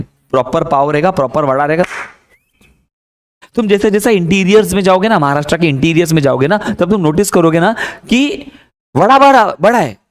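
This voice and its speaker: Joking teacher. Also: male voice, on the high side. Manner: casual, joking, mixes in English. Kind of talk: lively classroom storytelling.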